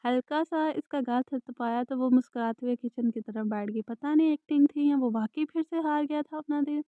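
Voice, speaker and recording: A woman narrating a romance novel in a soft, even storytelling manner. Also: sits high, no echo. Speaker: audiobook narrator. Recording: dry, tinny phone-like sound.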